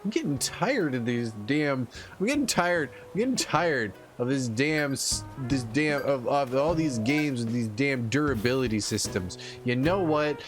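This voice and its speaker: Dude streaming a game, goofy rambly chat, slow talker, faint music behind. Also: male voice, medium pitch, lively intonation. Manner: rambling, self-mocking, playful. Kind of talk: casual gameplay livestream chat.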